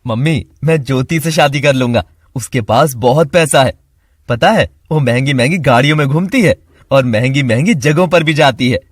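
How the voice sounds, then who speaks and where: A man voicing a greedy, boastful young man in an animated story. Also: medium pitch, normal speed, no echo, clean studio sound, natural voice. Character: greedy young man chasing a rich bride.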